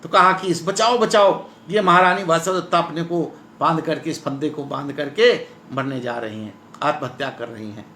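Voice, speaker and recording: A man teaching a Sanskrit play, reciting its lines slowly and explaining them in Hindi with dramatic emphasis. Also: on the high side, sharp tone. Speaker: Sanskrit lecturer. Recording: echoey room with faint noise.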